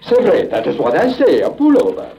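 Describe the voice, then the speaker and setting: A scheming Parisian crook with a heavy French accent, his broken English bouncing with a lively, sing-song rise and fall. The sound is dull and lo-fi, like an old radio transcription. He sounds smooth, eager and conspiratorial. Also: on the high side, a little fast, heavily acted. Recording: lo-fi vintage radio recording.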